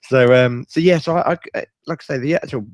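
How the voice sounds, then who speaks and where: A man with a croaky, hoarse voice from a chest infection, co-hosting a casual tech podcast. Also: medium pitch, fairly quick, no room sound, studio quality. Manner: rambling, restarts, light chuckles. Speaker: podcast co-host.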